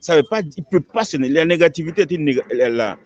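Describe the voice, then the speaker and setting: Emphatic male imam, lively rising and falling delivery, dull lo-fi recording. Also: a little high, fast talker. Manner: emphatic, animated, repeats words as he builds a point. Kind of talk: interview answer, preaching.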